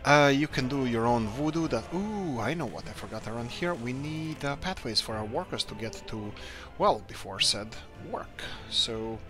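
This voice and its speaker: Male let's-player, mid-pitched, rambling upbeat self-talk, with game music clearly underneath. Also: lively intonation, moderate pace, few pauses. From Croatia. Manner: rambling, thinks aloud, upbeat muttering. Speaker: let's play host. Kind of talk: casual gameplay commentary.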